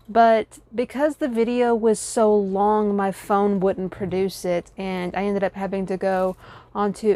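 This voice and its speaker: A plain, everyday voice speaks with fairly even intonation. The recording is very clean with a silent background, and the sound is dry and close with no echo. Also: woman. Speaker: self-published author. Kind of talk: casual talk to camera.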